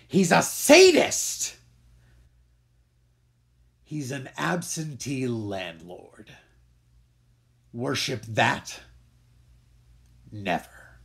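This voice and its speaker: A man's voice: medium pitch, big pitch swings, very slow, gravelly, pauses often, fairly bright tone, pitched below the performer's own voice, full character voice. A man playing a bitter, mocking Devil in a theatrical, scornful dramatic monologue. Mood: contemptuous. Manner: theatrical, scornful, building to outbursts. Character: bitter, mocking male Devil railing against God. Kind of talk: dramatic monologue for voice-over demo.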